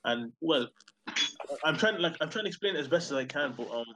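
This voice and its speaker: A man in casual football discussion, explaining haltingly and repeating himself. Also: a little high, expressive, a bit bright, a little hiss or hum, poor audio.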